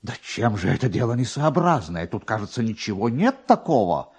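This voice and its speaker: A man's voice: on the low side, sing-song, normal speed, darkish tone, slightly rough, exaggerated voice. A man voicing an agitated, self-important male government official, flustered and insistent, in a dramatised literary reading. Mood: indignant. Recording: dull, lo-fi archive radio recording.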